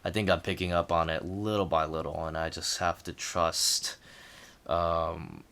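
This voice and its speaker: A man talking casually and reflectively to camera as a language learner, in halting phrases with repeated words. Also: deep voice, flat delivery, a bit bright, smooth. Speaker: language learner sharing progress.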